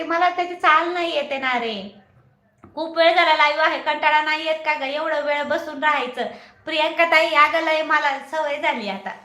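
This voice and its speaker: High-voiced, bright, chatty woman livestreamer. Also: echoey room. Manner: chatty, teasing, laughs often. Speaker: livestream host. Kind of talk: casual live chat reading viewer comments.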